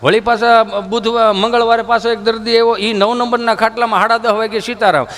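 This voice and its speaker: Male stand-up comic, Kathiawadi accent, high voice, folksy and chatty. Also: flat delivery, fairly quick, a bit bright. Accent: Kathiawadi Gujarati. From Gujarat, India. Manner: folksy, chatty, acts out characters. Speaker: stand-up comedian. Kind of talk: stand-up storytelling.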